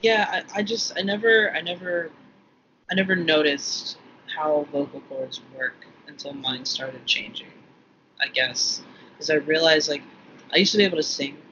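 Rambly guy on a podcast, bright forceful voice, faint hiss behind. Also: fairly high pitch, moderate pace. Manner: rambling, many restarts, laughs easily. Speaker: podcast co-host. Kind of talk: casual podcast chat. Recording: dull lo-fi audio with faint room noise.

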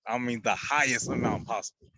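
A man from the audience, at an ordinary middle pitch, works his way through a long question to the guest. He hesitates and restarts often. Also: heavy background noise. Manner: halting, many fillers and restarts. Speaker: audience member asking a question.

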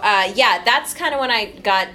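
A woman's voice: a little high, lively intonation, normal speed, bright, forceful tone, a little hiss or hum. A woman in her thirties, a voice actor guest, chatting casually in an interview, laughing often and joking at her own expense. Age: 30s. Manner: laughs often, self-mocking sarcasm.

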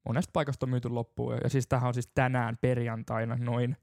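Young male podcast co-host, teasing and rambling, gravelly, dry close mic. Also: mid-range voice, little pitch movement, a little mellow, dry recording. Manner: rambling, teasing, laughs easily. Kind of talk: casual banter.

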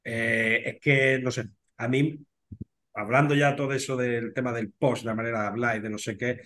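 A man's voice: mid-range voice, fairly even intonation, normal speed, a bit bright. A Spanish-accented man, a veterinarian, chats loosely as an interview guest. He rambles in an easy, familiar way, ending his phrases with "¿sabes?" and "tío". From Spain. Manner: chatty, peppers speech with "¿sabes?" and "tío". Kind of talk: casual interview chat.

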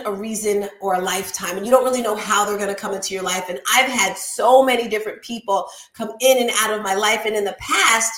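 A woman hosting a motivational online talk show in a chatty, animated, exclamatory and playful way. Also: medium pitch. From Caribbean.

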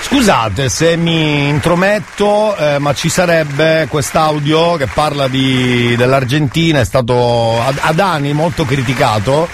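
A man's voice: on the high side, measured pace, few pauses, background noise. A man hosting live radio chat in an emphatic, theatrical, playfully indignant way. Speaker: radio host. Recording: loud music bed under voice. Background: loud music.

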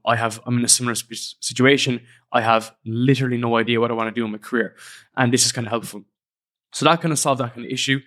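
Earnest young Irish podcaster. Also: male voice, medium pitch, a bit bright. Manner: casual, earnest, reflective. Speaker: podcast host. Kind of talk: solo podcast monologue. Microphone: studio podcast microphone.

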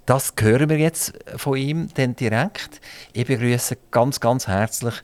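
A man's voice: medium pitch, a little slow, darkish tone. A man with a Swiss German accent hosting a radio interview, chatty and jokey, firing off follow-up questions. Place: radio studio.

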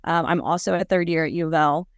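A woman's voice: lowish voice, steady tone, fast talker, smooth, no room sound, clean studio sound. A woman from Northern Kentucky, a dental student, introducing herself in an easygoing way. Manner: easygoing, with fillers. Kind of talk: casual self-introduction.

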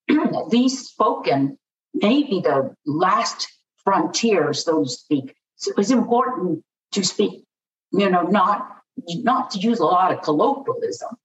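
A woman speaking as a podcast guest, halting, with many fillers and restarts. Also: lowish voice, slight background noise. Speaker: podcast guest, biotech partnering advisor. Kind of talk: conversational panel discussion. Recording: distant, echoey, dull remote audio.

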